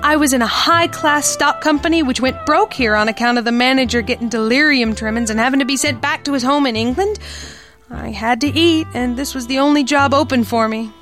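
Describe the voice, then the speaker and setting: A woman's voice: high-pitched, brisk, fairly bright tone, soft background music. A woman playing a sweet, scheming young dance-hall girl in the melodramatic style of an old pulp radio drama. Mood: wistful.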